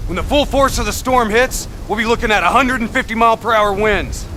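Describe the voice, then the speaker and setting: A man's voice: high-pitched, brisk, pushed and bright. An actor playing a cocky, commanding male black-ops soldier in a video game. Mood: cocky, resolute. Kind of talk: video game cinematic acting. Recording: clear vehicle and outdoor noise.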